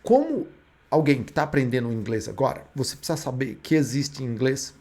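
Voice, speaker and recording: Talking a little fast in an animated, somewhat mellow medium-pitched voice, a male teacher from Brazil walks through English grammar. Portuguese is his native language, and he explains one step at a time with frequent restarts.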